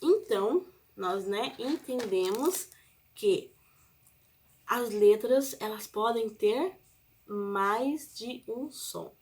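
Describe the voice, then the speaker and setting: A woman's voice: fairly high pitch, animated, very slow, darkish tone. A woman teaching a Portuguese spelling lesson with a Brazilian accent, patiently spelling out and stressing example words for young learners. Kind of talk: recorded classroom lesson.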